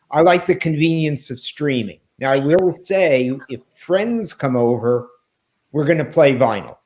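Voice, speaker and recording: An unremarkable speaking voice from a man, fairly high in pitch, at a fairly slow pace. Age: 60s. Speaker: trainer at hi-fi store. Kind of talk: casual chat.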